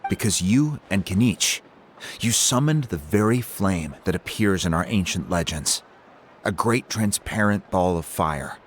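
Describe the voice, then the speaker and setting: Deep-voiced, animated tribal chief. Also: male voice, measured pace, slight background noise. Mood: reassuring. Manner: composed, explanatory, formal. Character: reassuring, thoughtful male tribal chief. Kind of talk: video game character dialogue.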